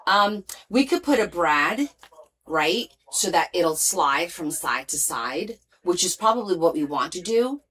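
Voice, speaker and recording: Husky, bright-voiced woman chatting while crafting. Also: lowish voice, a little slow. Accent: New Jersey. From Portugal, raised in New Jersey. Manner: chatty, reads viewer comments aloud, lively rises and soft asides. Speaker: craft livestream host. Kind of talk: casual chat while crafting.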